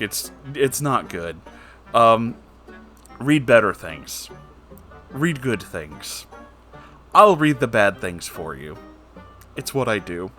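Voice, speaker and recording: A man talks casually and at a rambling ease to his viewers as the host of a reading show. His delivery is theatrical and wry, self-deprecating and sweary, at a middling pitch. Soft plucked guitar music plays behind him.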